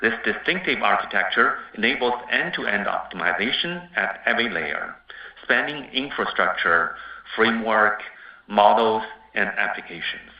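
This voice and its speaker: A man in the role of a company executive reads scripted earnings call remarks in a formal, measured way. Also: lowish voice. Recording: dull, roomy, distant conference-call audio.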